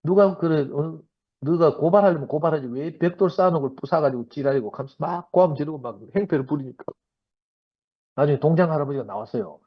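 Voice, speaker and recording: A man in his fifties with a Gyeongsang accent gives a sermon-style testimony, slightly husky and pitched a little high. He tells his stories in a lively, anecdotal way. The recording is dull and lo-fi. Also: fast. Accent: Gyeongsang Korean. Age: 50s. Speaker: church member giving a talk.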